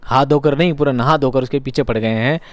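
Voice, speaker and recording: Brief: lively male teacher explaining a story, mid-pitched, dry close sound. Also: a little fast, no echo. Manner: lively, conversational, acts out dialogue. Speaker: Urdu teacher.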